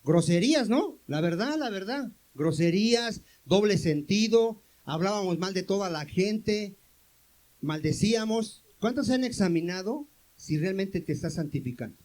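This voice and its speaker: Male pastor, high voice, questions-and-answers sermon style with calls for amens. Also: lively intonation, moderate pace, darkish tone, low-quality recording. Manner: questions the congregation and answers himself.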